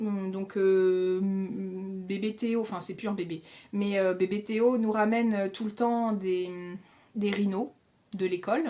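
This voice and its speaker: Fairly even intonation marks speech delivered at a very slow pace. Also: woman, medium pitch for a woman. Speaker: sewing podcaster / youtuber. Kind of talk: casual vlog chat. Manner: chatty, hesitant with many fillers.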